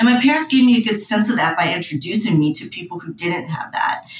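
A woman at a fairly quick pace with lively intonation, noticeable background noise in the mix. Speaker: storyteller, interview guest. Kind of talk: interview conversation. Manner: halting, many fillers and repeats.

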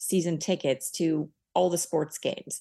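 Using a normal speaking voice, a woman with an American accent talks fairly slowly at a fairly low pitch. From Texas, Dallas. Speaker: fashion accessories founder. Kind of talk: interview.

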